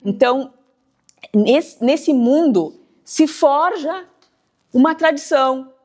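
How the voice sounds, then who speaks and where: A woman writer from Brazil, speaking in a measured, thoughtful way as an interview guest. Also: high voice, lively intonation, a little mellow. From southern Brazil, near the Uruguay border. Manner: measured, thoughtful, stretches words while thinking. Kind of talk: reflective interview talk.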